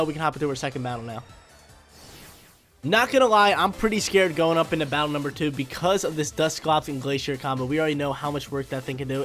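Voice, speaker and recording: Young male gaming commentator, congested and nasal, rapid and excitable, light game music underneath. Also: fairly high pitch. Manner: hyped, slangy, talks to himself about moves. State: stuffy, nasal from allergies. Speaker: gaming YouTuber. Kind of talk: live commentary over a video game battle. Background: faint game music.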